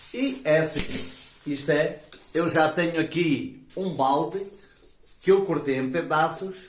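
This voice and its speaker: A man speaks at a fairly high pitch with ordinary pitch variation. Room echo is audible. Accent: European Portuguese. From Portugal. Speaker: DIY video maker. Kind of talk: tutorial. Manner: conversational.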